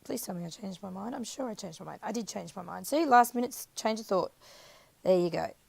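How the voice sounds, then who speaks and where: Woman, casual craft-tutorial voiceover, scratchy and husky, rambling, dry close mic. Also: mid-range voice, expressive, brisk, a little mellow, no room sound. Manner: chatty, rambling, self-correcting. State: croaky, scratchy voice. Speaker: craft video maker. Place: voiceover recorded apart from the footage.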